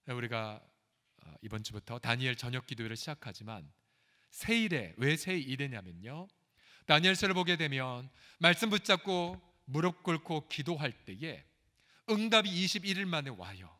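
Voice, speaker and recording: A man preaching a sermon as pastor, acting out quoted prayers and replies, his voice rising to loud pleas and dropping to a hush. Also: medium pitch, very animated, normal speed. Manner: acts out quoted prayers and God's replies, swinging between loud pleas and hushed lines. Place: church sanctuary. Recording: live church recording with long hall reverb.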